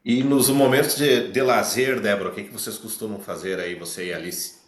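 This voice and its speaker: A man hosts a radio interview in a low voice that sounds a little roomy. He asks short, casual questions. His voice drops and trails off at the end of each one. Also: fairly quick. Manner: brief, conversational questions that trail off quietly.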